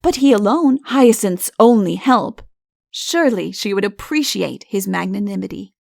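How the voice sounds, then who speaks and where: A woman's voice: medium pitch, lively intonation, moderate pace, vocal fry, darkish tone, no echo, clean studio sound. A woman reading a comic fairy tale as an audiobook narrator, in scripted storytelling style.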